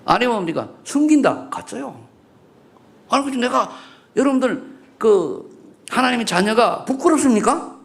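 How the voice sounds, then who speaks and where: A middle-aged pastor preaches to his congregation in a church, throwing out loud rising questions and then dropping to murmured asides. His voice sits high and has a gravelly edge. His pitch leaps and falls widely as he presses his points. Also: lively intonation, normal speed, long pauses. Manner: asks the congregation questions and banters with them. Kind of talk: sermon. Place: church sanctuary.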